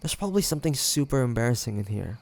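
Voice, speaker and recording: In an intimate roleplay audio drama, a man plays a playful, teasing young ex-boyfriend, speaking casually with hesitant pauses and a creaky edge. His medium-pitched voice is sing-song and a little mellow.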